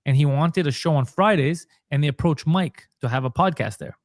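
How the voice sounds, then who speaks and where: A man's voice: a little high, a little fast, no room sound, clean studio sound. A comedian and podcaster from Montreal, a man, telling his story in a casual interview and acting out the dialogue he quotes. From Montreal, Canada.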